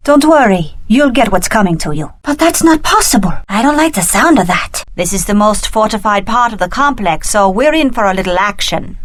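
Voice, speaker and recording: An actress voicing a tough, sassy, pragmatic young action heroine in a video game, with a cocky, snappy delivery. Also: female voice, mid-range voice, no echo, natural voice. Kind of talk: scripted video game voice acting.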